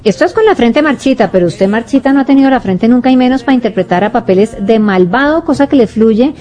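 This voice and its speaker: Colombian woman radio host, mellow mid voice, probing formal questions. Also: on the high side, expressive, fast talker, faint music behind. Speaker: radio interviewer.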